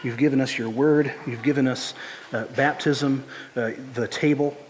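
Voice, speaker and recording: A man's voice: mid-range voice, steady tone, moderate pace, slight background noise. A male pastor leading prayer and preaching, earnest, with frequent "uh" hesitations. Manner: frequent "uh" hesitations, earnest and lifts voice reading scripture. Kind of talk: sermon and prayer. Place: church sanctuary. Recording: reverberant church hall, faint ambience.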